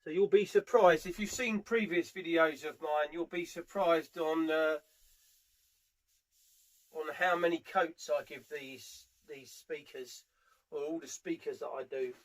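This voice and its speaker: A British man with a slightly high voice talks through a practical job. He explains each step informally, in the unscripted way of a tradesman showing his work to a camera as he goes. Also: fairly even intonation, measured pace, low-quality recording. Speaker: furniture polisher giving a how-to demonstration. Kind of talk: casual hands-on tutorial narration. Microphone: camera mic on a tripod, at varying distance.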